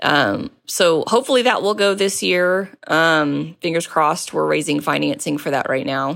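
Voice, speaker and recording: At a moderate pace with hardly any pauses, a woman speaks in a fairly low pitch with vocal fry and very wide pitch swings, in a very clean recording with a silent background. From Arkansas, Little Rock area (Maumelle). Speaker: film producer. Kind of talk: interview conversation.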